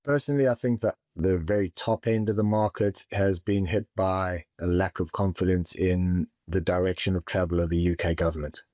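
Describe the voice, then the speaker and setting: A man answering interview questions as a property and mortgage advisor, speaking in a measured way and often repeating words as he starts. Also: sits low, fairly even intonation, darkish tone, dry recording, clean studio sound.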